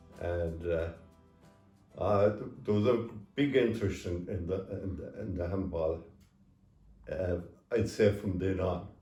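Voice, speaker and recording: Over music in the background, a man with a very deep, low pitch speaks at a fairly slow pace with ordinary pitch variation and long, frequent pauses. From Athenry, Ireland. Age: 80s+. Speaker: veteran athlete. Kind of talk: interview answer.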